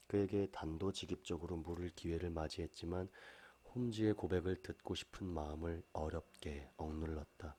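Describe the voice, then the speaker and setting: A man speaks in a very deep, low pitch with a dark, mellow, somewhat breathy tone. His calm, soothing delivery keeps a moderate pace and fairly even intonation. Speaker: actor. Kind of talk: sleep story.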